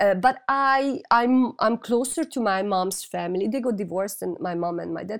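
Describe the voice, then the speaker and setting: A woman with a Hungarian accent speaks at a fairly high pitch with lively intonation and hardly any pauses, against a quiet background. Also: moderate pace. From Budapest, Hungary. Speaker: local tour guide. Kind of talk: casual interview. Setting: video call. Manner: halting, hesitant with restarts.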